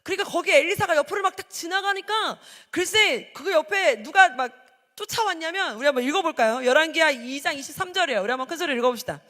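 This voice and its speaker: A woman evangelist preaching a sermon, acting out quoted voices and swinging from shouting to hushed tones. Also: high voice, animated, fast talker. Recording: hall with long reverb.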